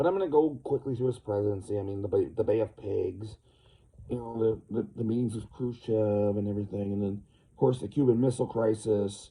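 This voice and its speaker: A man's medium-pitched, dark, mellow voice, somewhat breathy, with ordinary pitch variation and a fairly quick pace. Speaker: video blogger. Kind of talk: casual monologue. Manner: halting, with many restarts.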